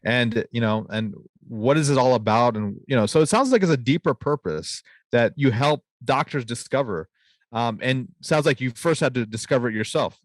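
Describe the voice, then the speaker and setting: A young adult man, a physician who hosts a podcast, conducts an interview at a moderate pace. He speaks reflectively, paraphrasing his guest and weaving in quotes, and the dry recording comes from a boom-arm studio mic in an office studio.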